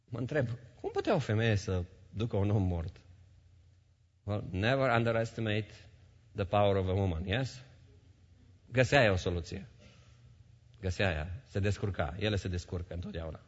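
A male pastor preaching a sermon in a church hall, emphatic, repeating phrases and swinging between loud and soft. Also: lowish voice, pauses often. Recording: reverberant hall, dull sound.

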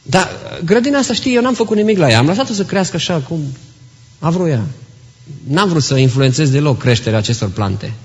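A man voicing a calm, wise male poet who explains a point patiently, in a husky voice. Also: on the high side, long reverb tail, highs cut off, pitched above the performer's own voice.

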